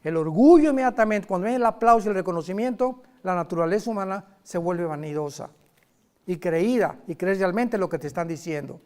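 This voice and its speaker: A man preaching a sermon in a lively, conversational way, with sudden loud emphasis and quick asides. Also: sits high, clear, resonant tone.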